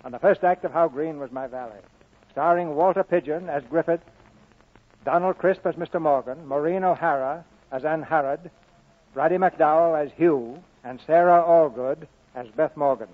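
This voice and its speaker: A man's voice: a little high, normal speed. A man hosting a 1940s radio theatre broadcast, reading scripted announcements. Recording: muffled narrowband vintage radio broadcast.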